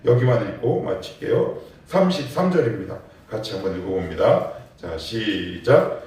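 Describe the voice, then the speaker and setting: A man's voice: fairly low pitch, darkish tone. A male pastor preaching at a morning prayer meeting, acting out cries to God. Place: church sanctuary. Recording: very echoey hall, distant mic.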